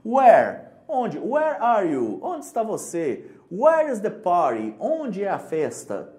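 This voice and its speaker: A teacher with a Brazilian Portuguese accent giving a casual online lesson, chatty and joking, explaining slowly with examples. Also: medium pitch, huge pitch swings, a little mellow. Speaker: English teacher for exam prep.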